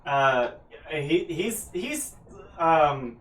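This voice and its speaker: A man's voice: a little high, lively intonation, very slow, fairly bright tone. A man running a tabletop game as game master, narrating casually. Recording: roomy, distant mic with faint noise.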